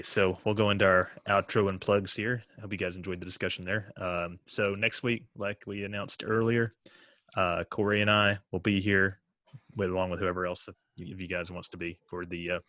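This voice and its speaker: A man co-hosting a podcast late at night, relaxed and chatty, and quick to laugh. His voice is very deep. The room sounds dry and close. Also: no room sound. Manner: laid-back, laughs often. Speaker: podcast co-host.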